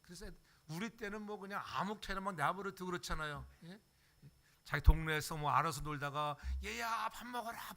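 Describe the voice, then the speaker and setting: A man's voice: high-pitched, bright, forceful tone. An older man preaching a sermon as pastor, acting out everyday voices and checking in with the congregation. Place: church sanctuary.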